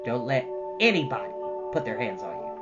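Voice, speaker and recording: A woman's voice: a bass voice, big pitch swings, fairly quick, muffled recording, over loud music. A woman reading a children's book aloud as storyteller, with dramatic emphasis and informal, chatty asides.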